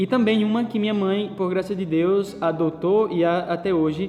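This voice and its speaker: A man speaks at a fairly slow pace with a high pitch and fairly even intonation. Noticeable background noise runs under his voice. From Brazil, interior of Bahia. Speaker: seminarian and missionary. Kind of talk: testimony. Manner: halting, many fillers.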